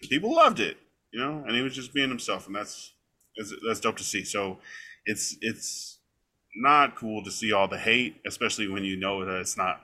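Bright-voiced man in rambling podcast chat. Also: lowish voice, normal speed. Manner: rambling, lively storytelling with many fillers.

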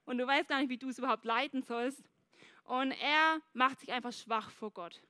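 Female preacher, high bright voice, dry close sound; lively sermon delivery, addresses the congregation directly. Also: moderate pace, clear, resonant tone, no room sound. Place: church service.

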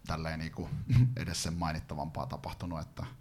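Very deep-voiced man, halting chat. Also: little pitch movement, darkish tone, slightly rough. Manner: hesitant, many fillers and restarts. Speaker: fan panel guest. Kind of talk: casual chat.

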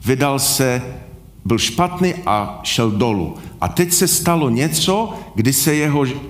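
A man's voice: mid-range voice, lively intonation. A man preaching a sermon, earnestly putting questions to his congregation. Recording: echoey room.

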